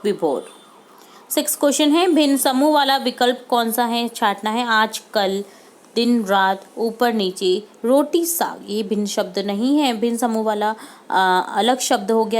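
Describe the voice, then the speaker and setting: Patient woman teacher. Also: fairly high pitch. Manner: patient, repeats answers slowly, mixes in English words. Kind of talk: explaining worksheet answers.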